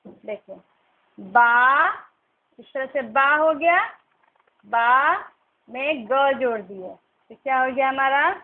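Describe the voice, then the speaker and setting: A woman teaching young children, slowly and patiently sounding out syllables and simple words. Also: high-pitched. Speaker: primary school teacher. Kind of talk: recorded online class lesson. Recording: tinny phone-like recording.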